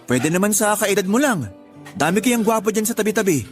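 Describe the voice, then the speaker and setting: A man's voice: sits high, sing-song, a little fast. An actor playing an uptight, closeted young gay man who grumbles reluctantly, in a Tagalog radio drama. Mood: grumbling. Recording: music bed behind the voice.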